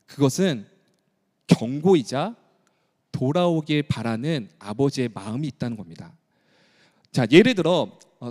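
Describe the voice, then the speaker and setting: A male pastor preaching a sermon in a church, emphatic and full of rhetorical questions. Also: a little high. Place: church sanctuary. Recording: long church hall reverb.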